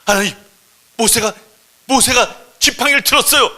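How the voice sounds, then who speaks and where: A man voicing an eager, helpful talking thornbush in a sermon story, speaking loudly and excitedly. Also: moderate pace, full character voice. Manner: loud, high and excited.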